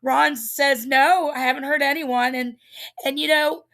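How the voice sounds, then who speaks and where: A woman with a high voice and a bit of gravel in it, talking slowly. She chats through a show recap, rambling, full of "um" and "you know," and laughing at herself. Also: steady tone, sharp tone. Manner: chatty, rambling, laughs at herself, many fillers. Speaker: livestream host recapping a reality show. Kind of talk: casual solo recap.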